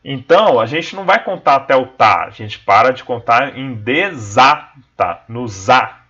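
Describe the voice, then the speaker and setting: A man's voice: mid-range voice, animated, unhurried, sharp tone, slightly rough. Male literature teacher, slightly muffled sound. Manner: explanatory, addresses viewers as "gente", frequent "né?" and "tá bom?". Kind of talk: recorded literature lesson.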